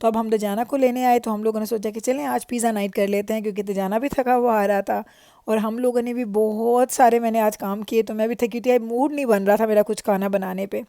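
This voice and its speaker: A woman's voice: fairly high pitch, steady tone, a little fast, dark tone, dry recording, studio quality. A middle-aged woman with a Pakistani accent gives a chatty, reflective vlog voice-over, mixing in English phrases. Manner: conversational, mixes in English phrases. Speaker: family lifestyle vlogger.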